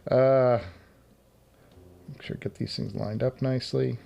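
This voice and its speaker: A man's voice: mid-range voice, fairly even intonation, a little slow, vocal fry, mellow. A man hosting a casual live stream, muttering to himself and chuckling as he assembles headphones. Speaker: livestream host. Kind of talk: casual live-stream chat while working. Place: home garage studio.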